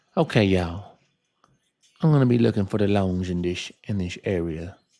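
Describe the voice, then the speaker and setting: On a very clean recording with a silent background, a man drawls in a put-on character voice with a Southern US accent. His pitch is very deep and low, and his pace is moderate. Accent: southern American. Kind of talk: drawling. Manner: drawling, charming.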